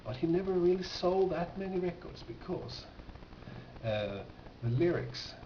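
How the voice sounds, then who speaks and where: A man with a Swedish accent, a native Swedish speaker, talks casually and haltingly as he shows items from his collection, often pausing mid-sentence. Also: high voice, lively intonation. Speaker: record collector presenting finds. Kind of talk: casual unscripted show-and-tell. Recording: dull, echoey, noisy amateur room recording.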